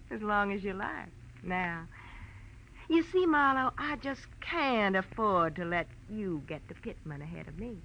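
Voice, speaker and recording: A woman's voice: mid-range voice, animated, a little slow, vocal fry, a bit bright. An actress playing a brassy, mercenary young gangster's girl in a 1940s radio crime drama, slangy and taunting. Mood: cool, taunting. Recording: noisy vintage radio recording.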